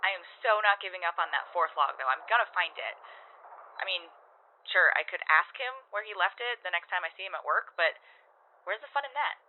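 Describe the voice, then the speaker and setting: A plucky young working gal in an audio drama. She rambles with bouncy, self-conscious chattiness, her pitch leaping around over a narrow, phone-like radio filter. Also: animated, fairly quick, a little hiss or hum. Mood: playful, plucky. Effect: radio or telephone filter. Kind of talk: full-cast audio drama acting. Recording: tinny, phone-like radio message.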